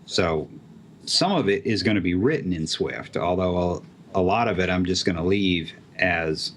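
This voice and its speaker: A man's voice: sits low, moderate pace, a little hiss or hum. A man who develops apps talking casually about programming, with many fillers and restarts. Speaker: app developer guest. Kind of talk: casual tech chat.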